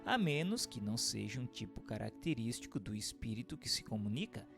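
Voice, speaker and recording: A Brazilian man reading a book aloud as a narrator, in a formal, declamatory and deliberate scripted delivery. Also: mid-range voice, gravelly. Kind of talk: scripted audiobook-like narration of a spiritist treatise.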